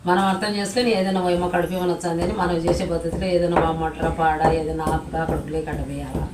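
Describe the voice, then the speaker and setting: A woman's voice: on the low side, level tone, racing, far from the mic, very noisy. A middle-aged woman from India speaking earnestly, lecturing about home remedies. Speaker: vlogger's mother. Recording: echoey kitchen, off-mic, loud clatter.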